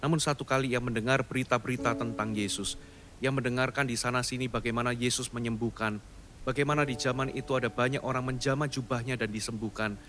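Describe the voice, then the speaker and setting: A man's voice: medium pitch, fast. A male pastor giving a short devotional and then leading a fervent healing prayer with commanding declarations. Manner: calm, soft-spoken storytelling. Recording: studio voice-over with faint music behind.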